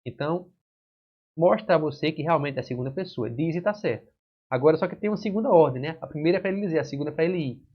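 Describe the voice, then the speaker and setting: A male exam-prep teacher with a Brazilian Portuguese accent and a fairly high, fast, breathy voice works through verb conjugations at a whiteboard. He explains step by step, checking in with students through frequent "certo?" and "né?", in a dull lo-fi classroom recording.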